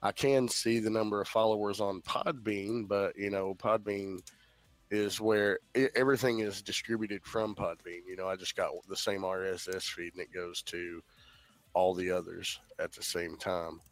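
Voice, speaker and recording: A man's voice: low voice, fairly even intonation, moderate pace, no echo. A man in his thirties with a stuffy head cold, chatting casually and swearing easily on a voice call. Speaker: podcast host. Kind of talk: casual chat.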